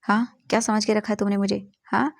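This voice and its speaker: A cheeky, brash young man with a playful, mocking tone and quick comebacks, as a woman narrator puts him on. His voice rasps with a gravelly creak and sounds close and dry. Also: medium pitch, little pitch movement, no echo. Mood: teasing, brash.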